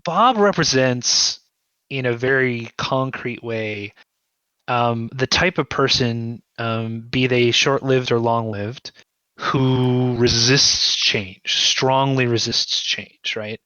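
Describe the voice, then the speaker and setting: Bright-voiced man, dry recording. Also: medium pitch, slow pace, smooth, dry recording, lo-fi sound. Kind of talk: reflective interview discussion.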